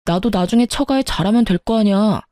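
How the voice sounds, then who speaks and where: A woman's voice: mid-range voice, brisk, warm tone, no echo, clean studio sound, lightly acted. A woman voicing a sulky young husband who whines and reproaches his wife. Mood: reproachful. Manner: reproachful, whiny.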